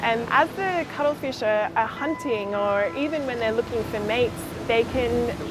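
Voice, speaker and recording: A woman speaks at a moderate pace with ordinary pitch variation, clear music playing behind her. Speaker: marine educator. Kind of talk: interview answer. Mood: enthusiastic, smiling. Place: waterside.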